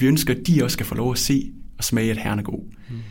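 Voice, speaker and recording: A man talks at a fairly quick pace with ordinary pitch variation, with noticeable background noise and audible room echo. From West Jutland, Denmark. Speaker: teacher-training student. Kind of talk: faith testimony interview. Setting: studio.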